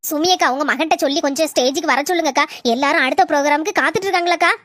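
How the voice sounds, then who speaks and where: A woman voicing a brisk woman teacher in a cartoon, urging politely. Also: high voice, fairly bright tone, no echo, studio quality, voice pushed down. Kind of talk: cartoon voice acting. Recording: noisy soundtrack.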